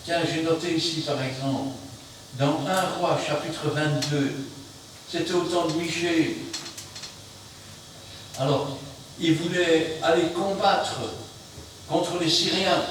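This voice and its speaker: A man preaching an emphatic sermon, swinging between loud outbursts and quiet asides. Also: on the high side, fairly even intonation, slow pace, long pauses. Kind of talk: fiery sermon. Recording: very echoey room, mic far off, faint noise.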